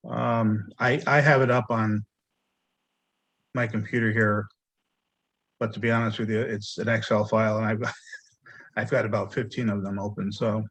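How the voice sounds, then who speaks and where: A man presenting a loan at an online board meeting, talking haltingly with many restarts while losing his voice and clearing his throat. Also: fairly low pitch, little pitch movement, a bit bright. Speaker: land bank staff presenting a loan.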